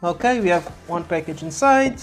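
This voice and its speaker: A vlogger giving casual, halting unboxing commentary and often repeating words. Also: medium pitch, lively intonation. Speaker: YouTube vlogger. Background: background music.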